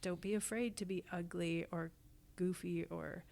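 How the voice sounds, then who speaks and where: A woman's voice: lowish voice, steady tone, a little slow, gravelly, darkish tone. A woman speaking as a podcast guest, explaining her thoughts in a casual, thoughtful conversational way. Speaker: podcast guest, stage actor.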